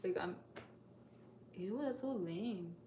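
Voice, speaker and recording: A woman's voice: mid-range voice, slow, dark tone. A young woman chatting at home in an opinionated, wry way, often breaking into laughter. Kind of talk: casual chat. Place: home kitchen, indoors. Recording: echoey kitchen with faint hum.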